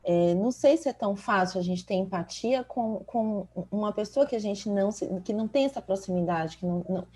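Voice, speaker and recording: A woman's voice: medium pitch, brisk, hardly any pauses, warm tone, breathy edge. A woman from Salvador with a Bahian accent, a doctor co-hosting a podcast, talking reflectively and telling stories with frequent "né?" tags. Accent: Bahian Portuguese. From Salvador, Bahia, Brazil. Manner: reflective, storytelling, many filler tags like "né". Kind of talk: casual conversation.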